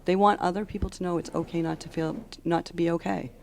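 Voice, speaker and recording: Deep, creaky-voiced woman being interviewed. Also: fairly even intonation, quick pace, darkish tone. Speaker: charity founder being interviewed. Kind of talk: unscripted interview answers. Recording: on-location audio with background noise.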